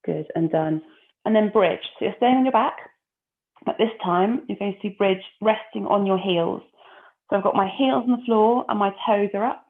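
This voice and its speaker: A woman's voice: medium pitch, moderate pace. Woman coaching a core class, phone-line audio. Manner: calm, encouraging cues with breath counts. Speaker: fitness instructor. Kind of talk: guiding an exercise class.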